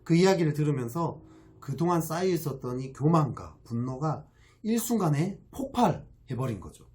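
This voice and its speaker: A man's voice: a little high, a little mellow. A man preaching a sermon as pastor, acting out quoted inner voices with feeling.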